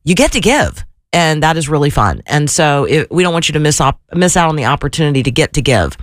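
Woman, radio host, slightly gravelly voice, chatty, effusive, fillers and restarts, dry studio mic. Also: low voice, sing-song, fairly quick, no echo. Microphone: studio microphone.

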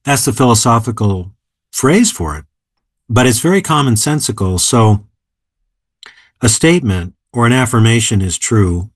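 A man in his seventies, an author and philosopher, explaining ideas in a measured, emphatic way during an interview. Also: mid-range voice, animated, no echo, studio quality. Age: 70s. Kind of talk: interview conversation.

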